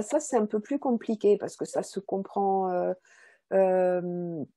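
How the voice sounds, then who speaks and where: A woman's voice: mid-range voice, warm tone, dry recording. A woman giving an explanatory lecture as a language researcher, in a didactic way, repeating key words and checking that listeners follow. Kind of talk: explanatory lecture, semi-spontaneous.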